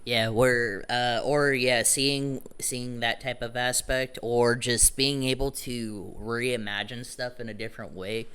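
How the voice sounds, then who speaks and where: A man's voice: mid-range voice, flat delivery, slow, hardly any pauses, sharp tone, smooth. A young man talking casually to a group, rambling and correcting himself, frank and a little profane. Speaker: meetup attendee introducing himself.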